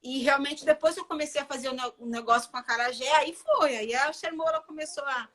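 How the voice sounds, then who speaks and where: Her voice is high, brisk and a bit bright as this Brazilian woman with a Bahian accent chats casually on air as a guest chef. Repetition of phrases gives her points extra weight.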